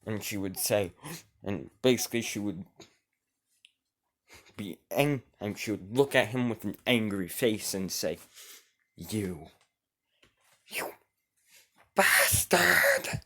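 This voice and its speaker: A man's voice: on the low side, measured pace, long pauses. A man improvising a fan story as narrator, rambling with frequent restarts.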